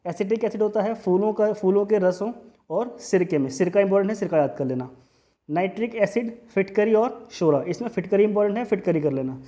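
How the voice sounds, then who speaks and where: A man's voice: high-pitched, a little fast, warm tone. A man teaching an exam revision lesson in a casual way, often saying "okay" and mixing in English terms. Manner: casual, repeats "theek hai", mixes English terms. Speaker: quiz teacher.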